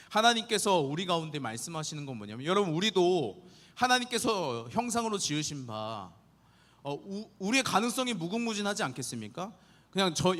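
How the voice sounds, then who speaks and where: A young man delivers an earnest sermon to a youth congregation, his voice sitting a little high and swinging widely in pitch. He keeps the tone animated and draws listeners in with rhetorical questions. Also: in a large hall. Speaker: youth pastor.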